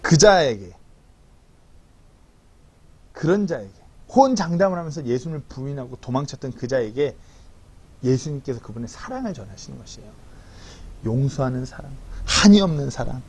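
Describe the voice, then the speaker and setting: A man in his thirties preaching a sermon as pastor, acting out quotes in a lively way. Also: mid-range voice, normal speed, pauses often, husky. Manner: animated preaching with acted-out quotes. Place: church hall.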